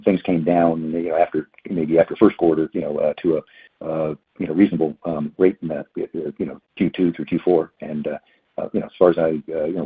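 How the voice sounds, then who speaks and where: A male company executive answering questions on an earnings call in a halting, word-repeating way. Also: rumbling low, husky. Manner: halting, hesitant, repeats words. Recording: phone-like narrow band conference call.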